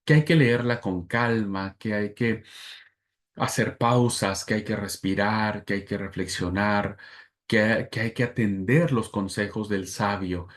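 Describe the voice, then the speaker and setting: A man gives a lecture on scripture at an ordinary pitch for a man. He explains patiently and repeats key terms. He keeps turning to the class with quick checks for agreement. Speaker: Bible teacher.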